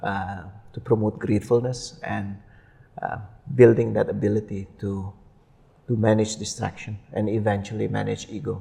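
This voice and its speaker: The man's fairly low, flat, monotone voice moves at a moderate pace, broken by long, frequent pauses. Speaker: career coach and author. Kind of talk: interview conversation. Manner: hesitant, many fillers.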